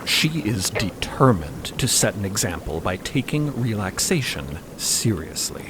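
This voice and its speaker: A man narrating a scripted fiction podcast in a measured manner, savoring descriptive phrases. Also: lowish voice, very animated, background noise.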